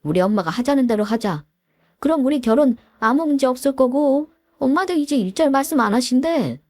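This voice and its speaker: A woman's voice: high-pitched, expressive, brisk, a little mellow, no room sound, voice pushed up. A woman voicing a young adult boyfriend who sides with his mother, in a pleading, pushy tone, in a dramatized story reading.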